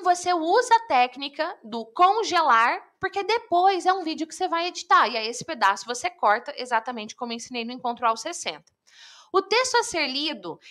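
A woman coach teaching public speaking in a live online lesson, lively and talking straight to viewers. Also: sits high. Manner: lively, addresses viewers directly.

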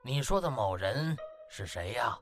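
A man voicing a stern, controlled party secretary in an audiobook, measured, authoritative and condescending. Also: medium pitch, very animated, over music, pitched below the performer's own voice. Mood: probing.

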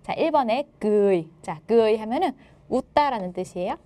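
A woman teacher walks students through exam answers in a playful, joking way. Her voice is mellow and warm, and her pitch moves up and down in big, lively swings. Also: moderate pace. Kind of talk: exam explanation lecture.

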